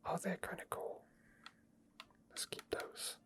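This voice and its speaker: Quiet, airy whispering fills this ASMR clip as a video game streamer chats about gameplay without a script, drifting from thought to thought at an easy pace. The voice is picked up very close by a mic tucked under a hoodie by the mouth.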